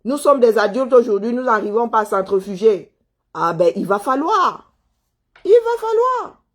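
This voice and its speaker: A woman's voice: on the high side, very animated, normal speed. A woman delivering a heated monologue, scolding a listener, repeating herself and firing rhetorical questions. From Cameroon. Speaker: commentator answering viewers.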